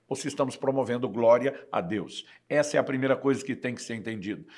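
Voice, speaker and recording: A middle-aged pastor with a Brazilian Portuguese accent explains scripture in an earnest, measured way, weaving in his own testimony. His voice sits at an ordinary pitch but carries a rough, gravelly edge. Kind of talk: teaching sermon with personal testimony.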